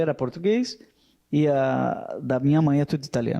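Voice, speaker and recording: A man talks at a moderate pace with lively intonation. His fairly high pitch carries a dark, mellow tone. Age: 60s. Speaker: priest and podcast host. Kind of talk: interview.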